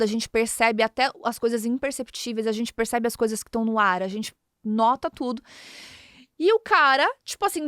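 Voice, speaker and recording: A woman's voice: fairly high pitch, a bit bright, dry recording, clean studio sound. A woman in her thirties with a Brazilian accent, chatting on a podcast and acting out little dialogues as she tells stories. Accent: Brazilian Portuguese. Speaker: podcast guest speaker. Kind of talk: casual podcast talk.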